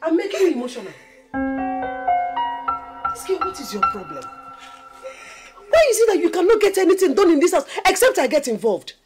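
A woman's voice: very high voice, wildly swooping pitch, normal speed, pauses often, soft background music, heavily acted. An actress with a Nigerian accent playing an emphatic mother in a film drama, given to scolding and reassuring. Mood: exasperated, scolding. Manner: emphatic, repeats rhetorical questions and tag words.

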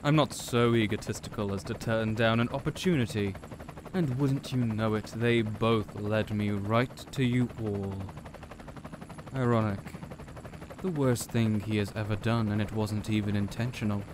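A man's voice: fairly low pitch, steady tone, background noise, lightly acted. Man doing a smug, sneering villain mastermind. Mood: smug, mocking. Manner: slow, sneering, theatrical monologue. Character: smug, cold, condescending male villain mastermind. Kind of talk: audio roleplay villain monologue.

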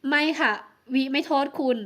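A woman's voice: moderate pace, pushed and bright, natural voice. A woman reading a romance audiobook, voicing a jealous young woman who pleads through tears. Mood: soothing. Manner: emotional, tearful pleading. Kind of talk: audiobook romance novel acting.

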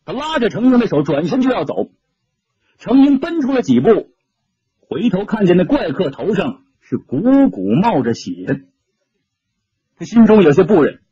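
Husky, lively-voiced male storyteller. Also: high-pitched, moderate pace, long pauses, muffled recording. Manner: expressive, shifting tone with the action. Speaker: audiobook narrator. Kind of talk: dramatic storytelling narration.

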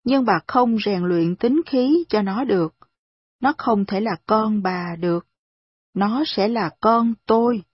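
A woman reading aloud voices a stern, gruff old man who gives blunt commands, in a slightly husky voice on a dull, dry recording. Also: medium pitch, slow, dry recording.

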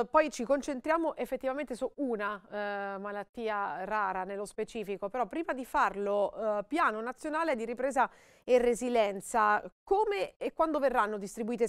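A woman's voice: a little high, clean tone, dry recording, studio quality. A woman hosting a TV health show, asking prepared questions and prompting her guest. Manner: prepared, leading questions with a rising "no?". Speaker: TV host. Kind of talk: TV health interview.

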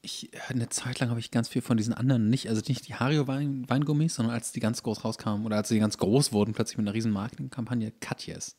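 A man with a medium-pitched voice talks as a podcast co-host. He is informal and teasing, keeping to casual, comedic conversation in everyday language. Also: fairly even intonation, fast, hardly any pauses, darkish tone, husky.

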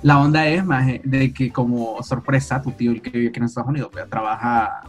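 A young man with a Salvadoran Spanish accent, a podcast guest talking over a video call in relaxed, slangy chat. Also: medium pitch, brisk, soft background music. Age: young adult. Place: room at home, indoors. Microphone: video call with earphones.

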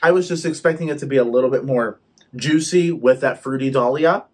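A man's voice: mid-range voice, brisk, husky. A young man chatting casually as he reviews home fragrance products, talking with his hands at a desk in his living room. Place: living room with shelves behind.

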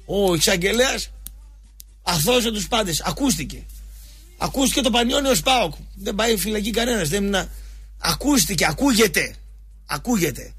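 A man's voice: high-pitched, animated, fairly bright tone, breathy edge, faint music behind. A man hosting a sports show, delivering a rambling, emphatic football commentary monologue in colloquial talk full of restarts and mocking quotes.

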